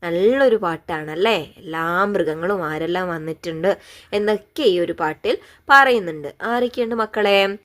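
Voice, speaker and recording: Woman teacher for a children's lesson video, gentle, coaxing, full of questions. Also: fairly low pitch, normal speed. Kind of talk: primary school lesson for young children.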